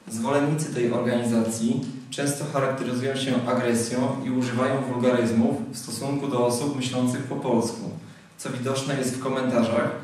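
A young man at a lectern in a large hall, reading a prepared speech in a formal, measured way. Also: medium pitch, darkish tone. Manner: formal, measured delivery from a script. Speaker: speaker at a convention. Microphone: lectern microphone. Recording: very echoey hall, mic at a distance.

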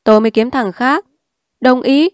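A woman's voice: high voice, moderate pace, clear, resonant tone, no room sound, pitched above the performer's own voice, lightly acted. A woman voicing a defiant, streetwise young woman who speaks bluntly and scornfully. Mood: brazen. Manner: blunt, scornful and sharp-tongued.

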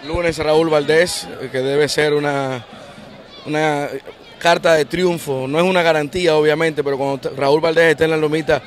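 A man with a Dominican accent, a sports reporter putting brisk questions to a manager after a game. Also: a little high, steady tone. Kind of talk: post-game interview questions. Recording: outdoor recording with some noise.

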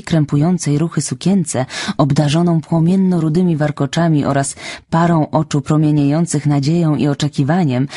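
Husky, gravelly woman narrating a storybook. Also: sits low, dry recording, clean studio sound. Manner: calm, measured storytelling. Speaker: audiobook narrator. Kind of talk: scripted narration of a children's novel.

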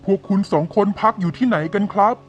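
A man's voice: high voice, quick pace, lo-fi sound, faint music behind, close to an everyday voice. A man playing a polite, earnest company president who poses as a poor beggar in a cartoon story. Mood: grateful. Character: company president posing as a blind, grateful beggar.

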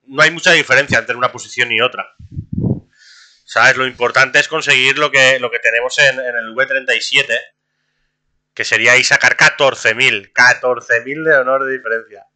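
Excitable streamer man, bright voice. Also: mid-range voice, moderate pace. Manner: excitable, laughs often, addresses chat directly. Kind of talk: casual gameplay commentary.

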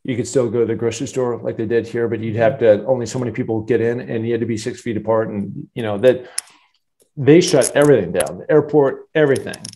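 A man in his fifties, a guest on a video-call interview, telling a long story in an animated, rambling way with many restarts. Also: mid-range voice, quick pace, rough recording. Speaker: interview guest, former football player. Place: home office with wood cabinet. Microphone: earbud headset on video call.

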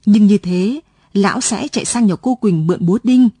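A woman reading a story aloud in measured, scripted radio narration, recorded in a broadcast studio. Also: mid-range voice, mellow, slightly rough, no echo.

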